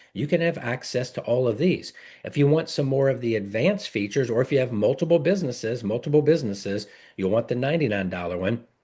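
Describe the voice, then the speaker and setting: A somewhat breathy voice with a dark, mellow tone rushes along at a very fast pace with lively intonation. The background is quiet. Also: man, medium pitch for a man. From Kentucky, US. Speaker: business presenter. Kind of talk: sales pitch. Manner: animated.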